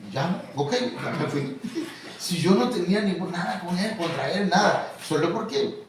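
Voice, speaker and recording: This pastor speaks with a Mexican Spanish accent and a high-pitched voice at a normal pace, delivering his sermon conversationally and weaving in anecdotes. He addresses his congregation as "hermano," or brother. Captured from far off in an echoing church hall, the audio carries faint noise.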